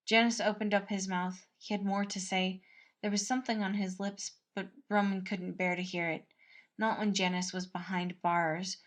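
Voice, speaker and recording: A woman reading a scripted story aloud as narrator, expressive and measured. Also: medium pitch. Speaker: fan-fiction podfic reader.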